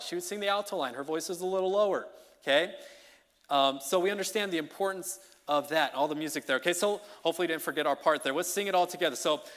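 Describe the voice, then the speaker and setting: A man preaching an informal midweek sermon as song leader, talking in a conversational, energetic way that keeps checking in with the congregation. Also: sits high. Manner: conversational, energetic, often checks in with "okay?" and "you know". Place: church sanctuary. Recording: long reverb of a church hall.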